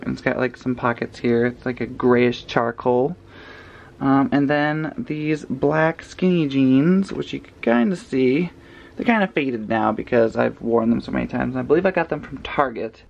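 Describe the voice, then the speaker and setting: A man's voice: medium pitch, vocal fry, darkish tone. A young man vlogging to the camera, stuffed up with a cold and talking in a sarcastic, rambling way. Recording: slightly muffled, faint noise behind.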